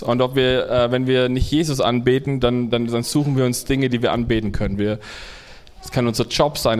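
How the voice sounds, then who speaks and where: A man preaching a sermon to a congregation in an earnest, halting way. He often restarts his phrases as he builds toward a point. His pitch sits in an ordinary middle range.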